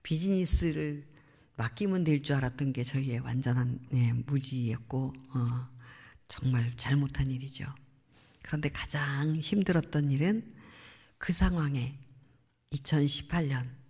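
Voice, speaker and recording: A woman's voice: very deep voice, unhurried, husky. A middle-aged woman missionary giving an earnest, reflective personal testimony at a church prayer meeting. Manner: earnest, reflective storytelling with soft trailing phrases. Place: church sanctuary. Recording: long church hall reverb.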